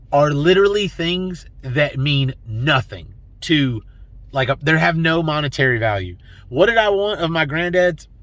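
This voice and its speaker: A man's voice: medium pitch, fairly bright tone, no room sound. Emotional man rambling to camera. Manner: rambling, heartfelt, many fillers; emotional, holding back tears. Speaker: vlogger. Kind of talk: personal talk to camera.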